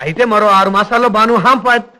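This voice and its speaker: A man's voice: extremely high pitch, fairly even intonation, quick pace, bright, forceful tone. An actor playing a cheeky, joking young husband who banters with his family. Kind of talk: 1980s Telugu film comedy acting.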